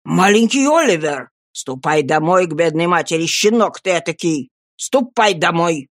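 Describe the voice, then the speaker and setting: Woman voicing a gruff brutal man, lowered voice, barking, bullying, dry studio sound. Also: expressive, normal speed, no echo, lightly acted. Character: brutal gruff grown man, a street thug.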